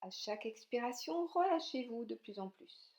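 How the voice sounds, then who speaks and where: A woman leading a guided yoga relaxation, speaking calmly and soothingly in short, gentle instructions with pauses between them. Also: on the high side. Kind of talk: slow guided meditation narration.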